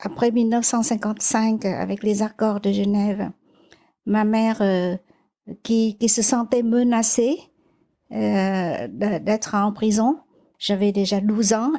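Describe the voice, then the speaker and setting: At a very slow pace with long, frequent pauses, a woman with a Vietnamese accent speaks in a fairly high pitch, her dark, mellow tone holding very even loudness and fairly even intonation. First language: Vietnamese (speaking French). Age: 70s. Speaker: activist. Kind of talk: interview. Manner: halting, many repetitions.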